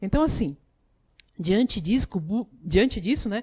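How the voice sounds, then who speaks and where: Soft-spoken and dark, mellow in tone, a woman talks at a moderate pace in a dry, close sound with no echo. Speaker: spiritist lecturer. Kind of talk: spiritist talk. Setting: live talk with small audience. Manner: halting.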